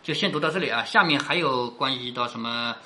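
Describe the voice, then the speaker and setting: A woman's voice: rumbling low, fairly quick, sharp tone. A woman reading a classic novel aloud and explaining it in a chatty way, often asking rhetorical questions.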